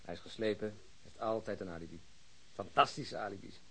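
An actor playing a sceptical police detective with dry, sardonic remarks in a radio play. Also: male voice, fairly low pitch, a little fast, pushed and bright, a little hiss or hum, poor audio. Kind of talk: Dutch radio drama acting.

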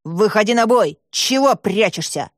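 A woman voicing a boastful, hot-headed young boy who talks brashly and excitably. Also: mid-range voice, unhurried, dry recording, studio quality, pitched above the performer's own voice, close to an everyday voice.

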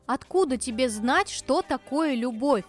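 A woman's voice: high voice, lively intonation, unhurried, faint music behind. Woman voicing Artemis, a firm young gamer. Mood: pleading. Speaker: voice actor in an audiobook. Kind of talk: dramatized audiobook dialogue.

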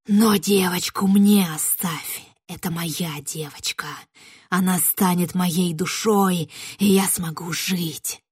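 A menacing witch voiced by a woman drawls her words slowly in a dry, rustling whisper, sometimes rising into a harsh shout. The voice is close and dry, with no room around it. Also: lowish voice, steady tone, husky, dry recording, full character voice. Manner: slow, drawn-out, alternating whispers and shouts. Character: hissing yellow-eyed female witch, greedy, menacing.

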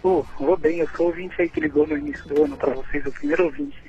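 A man's voice: fairly high pitch, fairly even intonation, fast, a little mellow, faint music behind. A man, calling in to a radio show over the phone, chatting eagerly and casually with slang. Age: 20s. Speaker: radio caller. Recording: dull lo-fi phone line.

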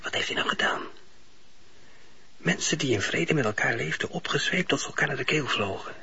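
A male actor playing a stern, anxious, devout middle-aged husband in a radio play, speaking in a measured, formal way. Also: fairly high pitch, expressive, vocal fry, sharp tone, slightly rough, no echo, full character voice. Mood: agitated. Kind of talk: Dutch radio play acting. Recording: dull, noisy old radio play tape.

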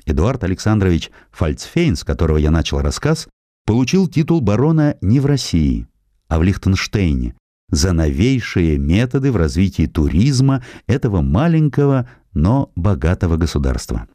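Low-voiced guy narrating history, really lively intonation, storyteller type, dry close sound. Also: normal speed, no echo. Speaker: audiobook narrator. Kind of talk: scripted narration of historical essay.

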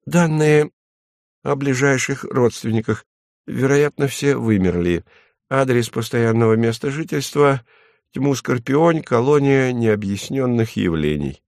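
A man voicing a timid, tender-hearted male commandant who speaks softly and hesitantly. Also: mid-range voice, expressive, measured pace, no echo, clean studio sound, voice pushed up. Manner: soft and hesitant.

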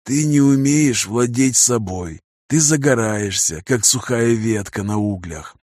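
A man voicing a calm, ruthless old patriarch in an audiobook, speaking slowly and quietly. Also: mid-range voice, no room sound, studio quality, lightly acted. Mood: cold calm. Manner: slow, measured, hushed. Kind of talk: audiobook character reading.

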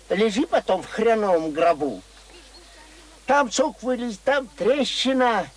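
Lively, folksy old village man. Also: high-pitched, exaggerated voice. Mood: earnest, indignant. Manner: rustic colloquial speech, fond diminutives. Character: cheerful, folksy old village pensioner, talkative and stubborn. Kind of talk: radio drama acting. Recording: noisy old radio play recording.

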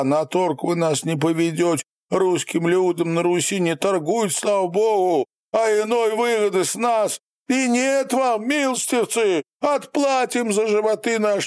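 A man's voice: high-pitched, a little mellow, clean tone, no echo, pitched above the performer's own voice. A man playing a beseeching old bearded villager. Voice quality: rounds his o's in a rustic way. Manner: bowing, beseeching, archaic rustic speech.

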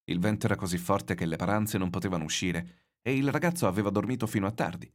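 A man reading a novel aloud in measured, expressive literary narration. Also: deep voice.

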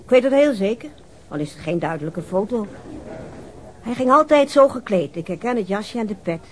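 An actress as a mid-pitched, chatty waitress. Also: female voice, animated, normal speed, natural voice. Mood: sure, helpful. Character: cooperative, chatty ship's waitress. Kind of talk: Dutch radio drama acting.

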